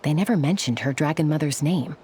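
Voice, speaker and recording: A woman's voice: deep voice, brisk, dark tone, slight background noise, natural voice. A woman voicing a grounded tribal woman in a video game who recounts her people's legends in a thoughtful, dry way.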